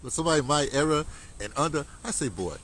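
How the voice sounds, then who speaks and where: A man's voice: fairly high pitch, animated, quick pace, a bit bright, a little hiss or hum, rough recording. A man in his seventies, talking in a rambling, casual monologue that is full of restarts and slang, chuckling now and then. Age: 70s. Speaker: commentator.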